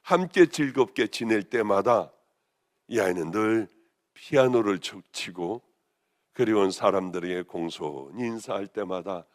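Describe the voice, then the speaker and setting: A woman pastor with a hoarse voice, preaching a sermon with passion, rising to loud exclamations and then dropping to hushed, almost whispered lines. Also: extremely low pitch, expressive, a little slow. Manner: impassioned, swinging between raised exclamations and hushed near-whispers.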